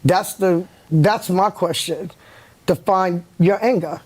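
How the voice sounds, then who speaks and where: A raspy-voiced woman speaks as a guest on a studio panel. She is blunt and outspoken, and she keeps asking pointed rhetorical questions. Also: lowish voice, slow, a crowd in the background. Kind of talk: panel discussion.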